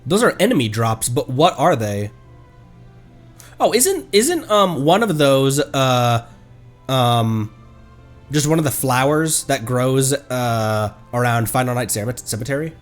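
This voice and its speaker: Animated man streaming a video game. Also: medium pitch, faint music behind. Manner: halting, thinking aloud. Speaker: livestreamer. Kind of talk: casual game stream commentary.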